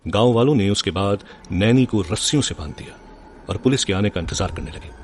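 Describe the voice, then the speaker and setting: A man's voice: on the low side, expressive, a little fast, darkish tone, some chatter behind, slight background noise, lightly acted. A man narrating a scripted horror drama as a solemn storyteller.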